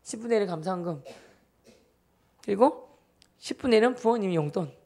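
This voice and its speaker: A man in his thirties with a Gyeongsang accent, a church deacon giving a lively testimony talk and acting out his family. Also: high voice, fairly quick. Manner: animated storyteller who acts out family members.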